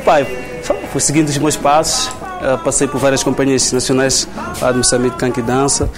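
A man's voice: medium pitch, level tone, a little fast, over music. A man with a Mozambican accent talking casually in an interview as a percussionist.

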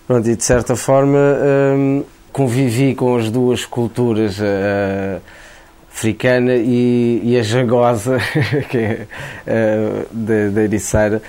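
A man's voice: medium pitch, steady tone, takes it slowly, dark tone. A man born in Angola, a painter, speaking in a casual interview, often repeating words while he thinks.

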